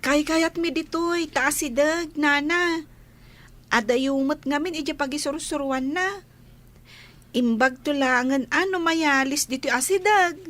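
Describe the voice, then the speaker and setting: A woman doing a high-voiced young girl. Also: a little slow, a bit bright. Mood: polite. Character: young girl, caring older sibling of a blind child.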